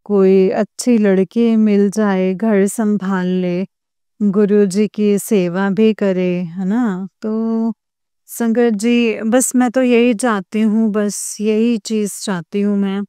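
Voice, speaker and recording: Slow, halting older woman giving testimony. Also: mid-range voice, fairly even intonation, warm tone, clean tone, no echo, studio quality. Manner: halting, with frequent pauses and respectful address to the congregation. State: weak after a fever. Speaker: devotee sharing a testimony. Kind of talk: devotional personal testimony.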